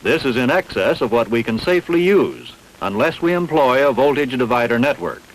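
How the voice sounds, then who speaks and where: A man reading scripted instructional narration in a measured, didactic, carefully enunciated way. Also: medium pitch, expressive, poor audio. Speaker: training film narrator.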